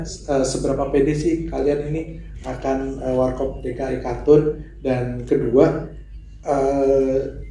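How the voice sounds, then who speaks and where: A male journalist with a very dark voice asks a long question, stumbling through fillers. The hall echoes, and faint ambience hums behind him. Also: on the high side, slight background noise. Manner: hesitant, many fillers. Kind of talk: press conference question. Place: press conference room.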